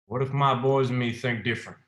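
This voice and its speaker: A man's voice: medium pitch, steady tone, brisk, a bit bright, close to an everyday voice. A man playing a menacing, arrogant company detective from the 1920s at a screenplay table read. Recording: roomy echo, faint noise.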